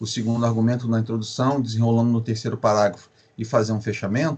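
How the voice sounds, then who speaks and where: The man's pitch is medium. His delivery stays monotone and flat. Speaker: Portuguese writing teacher. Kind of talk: online class. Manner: fast.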